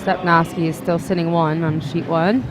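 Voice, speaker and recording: A woman giving casual curling commentary, chatty, quick with asides and often laughing. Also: on the low side, flat delivery, background noise.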